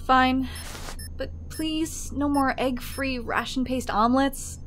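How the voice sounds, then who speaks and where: Wry, dry starship captain, high-pitched voice. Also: female voice, steady tone, slow, a bit bright, faint music behind. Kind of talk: audio drama acting.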